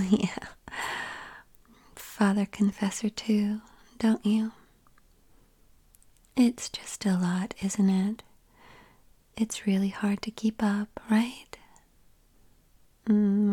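Woman, whispered ASMR roleplay, very slow and mellow, soft and soothing, close to the mic. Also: mid-range voice, steady tone, breathy edge. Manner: tender, soothing.

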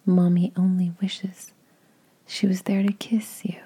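A woman whispering close to the mic in a slow, coaxing, commanding voice for an intimate audio roleplay. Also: on the low side, flat delivery, warm tone, husky. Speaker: adult audio performer.

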